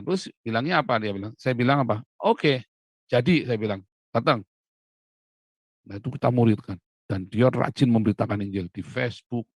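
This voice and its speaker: Pastor guy preaching, lively, goes loud then quiet, dry close sound. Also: mid-range voice, dry recording. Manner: animated, acts out dialogues, swings between loud and hushed. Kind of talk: sermon-style teaching talk.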